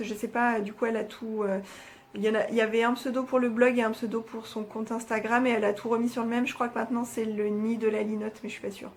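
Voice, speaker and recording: Chatty woman hosting a knitting vlog. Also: a little high. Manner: chatty, hesitant, many fillers and laughs. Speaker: knitting podcast host. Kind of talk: casual chat showing knitting projects.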